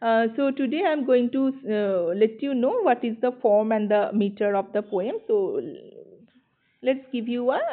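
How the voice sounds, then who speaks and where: A Bengali-accented woman gives an online English lesson, her voice sitting a little high. She explains step by step and keeps checking that students follow. The sound is thin and narrow, as if heard over a phone line. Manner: explanatory, checks in with "ঠিক আছে" and "okay", reads English slowly. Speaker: English teacher.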